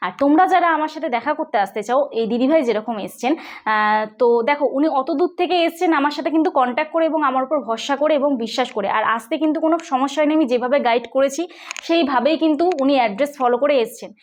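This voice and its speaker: This West Bengal–accented tech host speaks at a racing pace with a voice that sits high. In her casual tutorial vlog she explains chattily and often checks with the audience.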